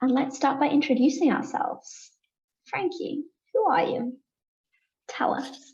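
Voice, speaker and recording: Speaking fairly slowly with a British accent, a high-pitched woman leaves long, frequent pauses. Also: lively intonation. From United Kingdom. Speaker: head of marketing, webinar presenter. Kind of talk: webinar presentation. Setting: video call.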